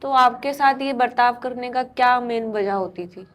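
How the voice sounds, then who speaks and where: A woman's voice: fairly high pitch, moderate pace, a bit bright. A woman hosting a podcast interview, asking direct, probing questions.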